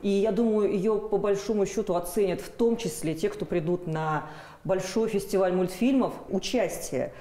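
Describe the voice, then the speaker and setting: A woman in her thirties with a mellow, mid-pitched voice, hosting a TV interview. She speaks conversationally, and the studio sounds roomy and echoing. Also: moderate pace. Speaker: TV interview host. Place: indoor TV studio.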